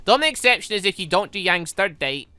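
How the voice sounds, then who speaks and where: A gaming host doing let's play commentary and reading game dialogue aloud, animated and rambling, with self-questioning asides. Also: mid-range voice, quick pace, no room sound. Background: game music.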